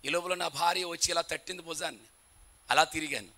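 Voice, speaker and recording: A man's voice: on the high side, fairly even intonation, fast, sharp tone. A male pastor preaching a sermon in a dramatic storytelling manner.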